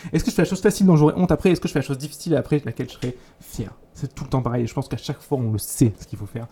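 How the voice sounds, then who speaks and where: A man's voice: medium pitch, racing, warm tone, slight background noise. A man giving a blunt, casual motivational talk as a 3D teacher, full of crude slang and restarts. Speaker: YouTube 3D teacher.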